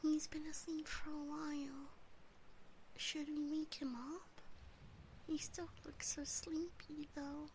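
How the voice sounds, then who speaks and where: Woman acting a high, sweet, whispering demon sister. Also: little pitch movement, slow, a little hiss or hum. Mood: worried. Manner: soft, breathy, sweet, hesitant whispering. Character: cute, fretful, adoring yandere demon sister. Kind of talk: ASMR roleplay, mostly whispered. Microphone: close binaural ASMR microphone.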